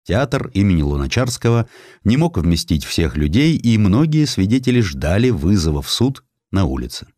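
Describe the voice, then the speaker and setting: Male narrator, low voice, theatrical and measured, swooping intonation, weighty pauses. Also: a little mellow, no echo, clean studio sound. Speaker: narrator, audiobook performer. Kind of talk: dramatic scripted narration.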